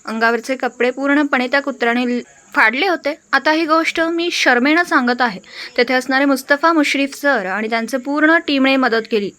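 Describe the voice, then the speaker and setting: A woman's voice: high voice, fairly quick, fairly bright tone. A woman news reader earnestly reading out a resident's indignant complaint as a regional news report.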